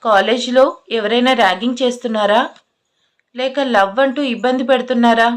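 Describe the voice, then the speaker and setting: A woman's voice: on the high side, unhurried, lightly acted. A woman reading an irritated young man. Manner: irritated, scolding. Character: angry, blunt young man, quick to anger.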